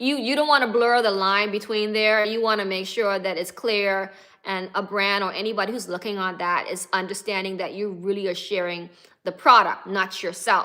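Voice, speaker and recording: Speaking at a moderate pace, a woman with a medium-pitched voice and a bright, sharp tone keeps her intonation fairly even. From Caribbean islands. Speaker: content creator. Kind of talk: livestream advice talk. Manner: casual, conversational with hesitations.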